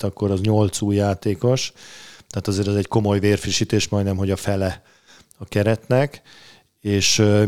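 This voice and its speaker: A man chatting about handball signings in a relaxed way, pausing often with fillers and restarting his sentences. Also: sits low, no echo, studio quality. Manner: hesitant, many fillers and restarts. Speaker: handball pundit. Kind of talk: casual sports chat.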